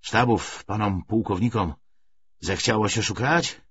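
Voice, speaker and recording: A man's voice: on the low side, measured pace, a bit bright, highs cut off, slight background noise. A man reading the part of an irritated, sarcastic young second lieutenant in an audiobook, biting off his words. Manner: biting, through clenched teeth.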